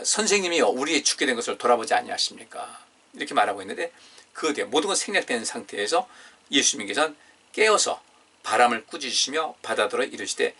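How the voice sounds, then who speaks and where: A man's voice: mid-range voice, bright, forceful tone, breathy edge. A man pastor preaching a Friday prayer meeting sermon in a conversational way, reading scripture aloud and asking the congregation questions. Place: church. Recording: distant, room-miked sermon recording.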